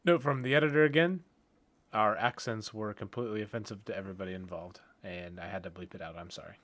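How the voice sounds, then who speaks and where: A man co-hosting a casual podcast, talking in long earnest rambles that trail off quietly. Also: on the low side, fast. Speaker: podcast co-host. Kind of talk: casual chat.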